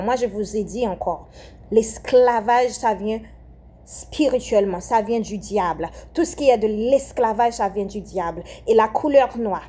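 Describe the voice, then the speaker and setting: A woman's voice: medium pitch, mellow. A young Haitian-born woman with a French accent giving a fervent spoken prayer message, repeating phrases and often restarting her sentences. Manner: fervent, repetitive, with hesitations and restarts. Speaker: Christian speaker.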